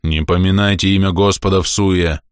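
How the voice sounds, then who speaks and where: A man's voice: deep voice, steady tone, moderate pace, smooth, dry recording, clean studio sound, close to an everyday voice. Man reading a huffing stern village priest. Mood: indignant. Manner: huffing, sanctimonious.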